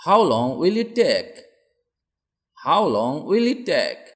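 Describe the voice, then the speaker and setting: A man teaching English, saying a sentence in Bengali and then repeating its English version twice, slowly and clearly. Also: a little high, huge pitch swings, fairly bright tone. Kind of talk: slow drilled sentence practice.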